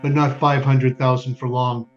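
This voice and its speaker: An actor playing a stern yet tender, grieving Jewish father in a wartime ghetto, speaking in solemn, deliberate stage monologue with weighty pauses. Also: mid-range voice, flat delivery, lightly acted. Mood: bitter, mournful. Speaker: stage actor in community theater. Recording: dull lo-fi recording, music underneath.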